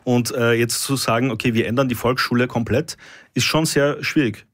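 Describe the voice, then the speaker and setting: A man's voice: medium pitch, steady tone, moderate pace, dry recording, studio quality. Man moderating a panel. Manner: asks long framing questions with fillers. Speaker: host.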